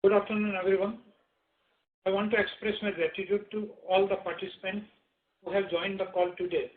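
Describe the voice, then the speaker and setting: A man with an Indian accent giving prepared opening remarks on an earnings call as managing director. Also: sits high. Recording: echoey, phone-like conference line.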